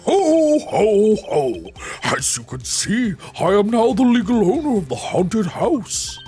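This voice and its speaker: A woman voicing a smug, pompous wealthy older man who talks in a slow, gloating way. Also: medium pitch, sing-song, mellow, slightly rough, faint music behind, pitched above the performer's own voice, heavily acted. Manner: slow, gloating, drawn-out delivery.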